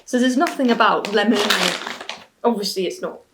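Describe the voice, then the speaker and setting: A woman's voice: fairly high pitch, normal speed, noisy background. A woman in her twenties giving a casual review to camera, musing and often restarting her thoughts. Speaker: beer and snack reviewer. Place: small plain room at home, seated at a table.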